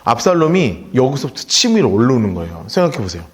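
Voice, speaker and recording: A man's voice: mid-range voice, sing-song, quick pace. A male pastor leading a Bible study sermon, telling the story vividly and acting out the characters' lines. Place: church.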